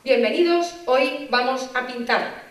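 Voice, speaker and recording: A woman acting out a strict schoolteacher who hushes her class with clipped commands, in a roomy hall with the mic far off. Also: high-pitched, a little slow. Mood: stern hushing. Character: strict adult female schoolteacher hushing class.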